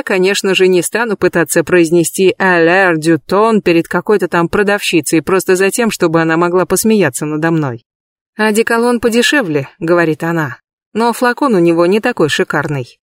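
A man giving a measured, lightly expressive first-person audiobook reading, recorded close in a booth. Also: sits high, dry recording. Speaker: audiobook reader.

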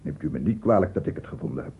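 In a radio play monologue, a male actor with a very deep voice plays an aggrieved, unstable 67-year-old bachelor scientist, self-justifying and obsessive. He talks very fast and expressively, pedantic, defensive, and insistent, repeating himself. The old recording is muffled, phone-like, and very noisy.

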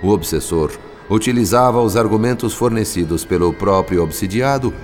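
A man's voice: fairly low pitch, moderate pace, a little mellow, lightly acted. A man with a Brazilian accent giving solemn, formal scripted narration for a radio drama. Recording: faint music behind the voice.

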